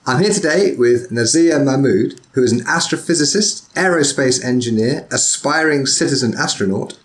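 A man's voice: medium pitch, animated, moderate pace. A man hosting a podcast, chatting casually and joking, laughing often. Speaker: podcast host. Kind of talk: casual interview chat.

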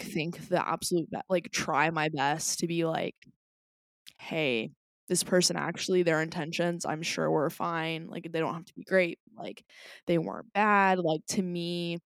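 With a deep, creaky voice, this young podcast co-host rambles through a casual chat, animated and full of "like" fillers. She describes herself as loud and passionate. There's no echo on the recording.

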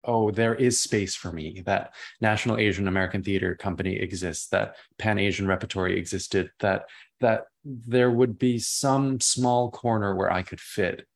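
A young man with a naturally deep voice, a playwright answering interview questions in an expansive, enthusiastic way that drifts into tangents. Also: steady tone, normal speed, creaky. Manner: expansive, enthusiastic, prone to tangents and repeated words.

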